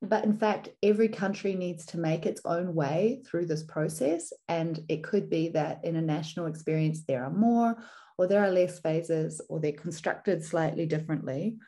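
A woman speaks with a New Zealand accent in a deep, soft-edged voice. She presents like a seminar teacher, measured and explanatory, setting out points step by step. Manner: measured, didactic, poses rhetorical questions.

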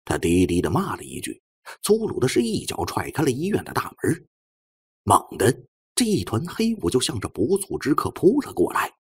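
A man's voice: medium pitch, huge pitch swings, normal speed, slightly rough, no echo, studio quality. A man reading an audiobook as a dramatic, scripted narration.

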